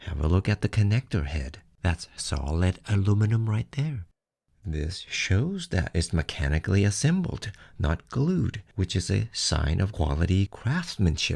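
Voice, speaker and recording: Calm in tone and somewhat breathy, a man with a fairly low pitch speaks at a fairly slow pace, the sound dry and close with no echo in a very clean recording with a silent background. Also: lively intonation. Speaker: tech reviewer and math tutor. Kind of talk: product review. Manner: calm, understated.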